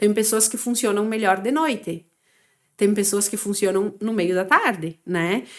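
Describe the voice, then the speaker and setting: Using a normal speaking voice, a woman talks at a fairly slow pace in medium pitch with ordinary pitch variation. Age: 30s. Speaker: physiotherapist. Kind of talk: casual chat.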